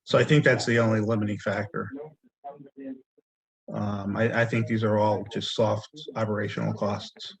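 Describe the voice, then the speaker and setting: A man presenting a loan at an online board meeting, talking haltingly with many restarts while losing his voice and clearing his throat. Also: fairly low pitch, little pitch movement, poor audio. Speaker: land bank staff presenting a loan.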